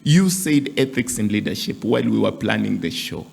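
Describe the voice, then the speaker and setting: A man's voice: lowish voice, very animated, normal speed, creaky. A man hosting a talk show, playful and teasing, laughing often as he chats. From Kenya. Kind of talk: casual studio chat.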